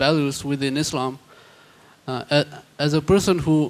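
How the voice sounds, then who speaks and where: Fairly slow delivery with monotone, flat intonation. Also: man. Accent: Malaysian. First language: Malay. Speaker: audience member at forum. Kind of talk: audience question at roundtable. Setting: conference room. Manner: halting, many repetitions and false starts.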